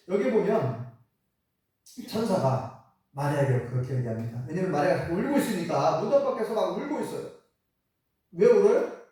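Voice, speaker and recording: A man preaching a sermon as pastor, pushing his voice up high on the words he wants to stress. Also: warm tone. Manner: emphatic preaching, rising high on key words. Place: church sanctuary. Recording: echoey church from far off.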